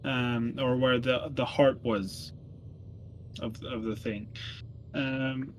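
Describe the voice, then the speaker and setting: A man's voice: mid-range voice, steady tone, slow, a little hiss or hum. A man recapping the last tabletop game session in casual chat, full of ums and self-corrections. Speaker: player giving the session recap.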